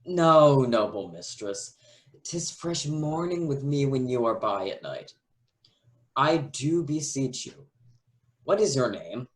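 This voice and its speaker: A man's voice: mid-range voice, big pitch swings, slow. A man playing a humble, devoted young prince in love, declaiming courtly verse in a Shakespearean radio play. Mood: gallant.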